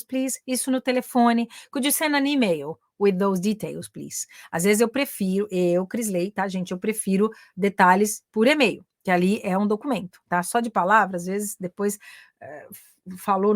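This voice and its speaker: A woman with a Brazilian Portuguese accent teaches business English in a live online class, chatting with her audience, calling them "gente," and repeating example phrases. She switches between Portuguese and English examples. Her mid-range voice is recorded dry, with studio quality.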